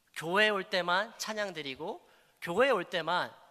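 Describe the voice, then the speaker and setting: The man's voice has a bright, sharp tone. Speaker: pastor. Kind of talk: sermon.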